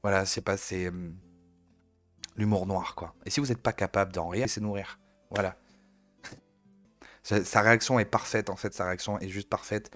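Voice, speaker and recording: A man's voice: deep voice, fairly even intonation, normal speed, long pauses, fairly bright tone, no echo, soft background music. A man from France hosting a live news review, talking in a blunt, sarcastic, mocking way. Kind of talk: casual live commentary.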